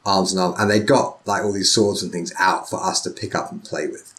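A man's voice: deep voice, brisk, a bit bright. A man hosting a podcast, chatting casually and joking, laughing often. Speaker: podcast host. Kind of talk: casual interview chat.

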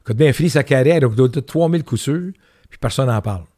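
An older man speaks with a Québécois French accent, his voice sitting in an ordinary middle register. He tells anecdotes in an animated way and hammers points home by repeating them. The sound is close and dry, with no room around him. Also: mid-range voice, fast talker, dry recording. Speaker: guest. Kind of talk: candid interview talk.

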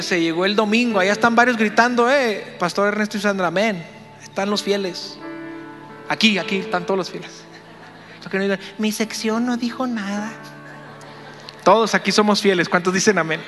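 A man, a pastor, telling a story in a sermon, animated and playful as he talks to the congregation. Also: high voice, long reverb tail.

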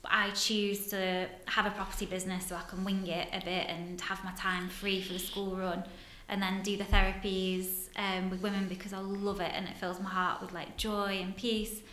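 Chatty woman, bright voice. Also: mid-range voice, level tone, normal speed, roomy sound, a little hiss or hum. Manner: chatty, uses many fillers like "like". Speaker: guest, therapist for women. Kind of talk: casual podcast conversation.

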